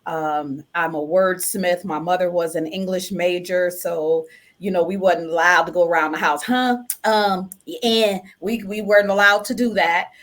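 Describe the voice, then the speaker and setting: Enthusiastic woman with a slightly low voice. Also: fairly even intonation, normal speed. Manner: informal, enthusiastic. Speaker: recording artist, poet, guest. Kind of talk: casual chat.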